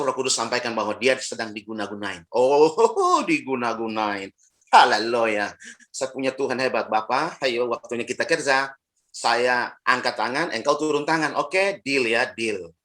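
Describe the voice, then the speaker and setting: A middle-aged pastor from Timor-Leste preaches a storytelling sermon. He acts out other people's voices as he goes, his pitch jumping high and dropping low, and he breaks into laughter often. His voice sits in a middle register. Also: sharp tone.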